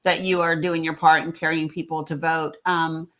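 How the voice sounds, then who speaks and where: Woman hosting a live, bright clear-cut voice, chatty and informal, encouraging. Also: low-pitched, level tone, moderate pace. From Tennessee, United States. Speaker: live stream host. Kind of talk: casual political live chat.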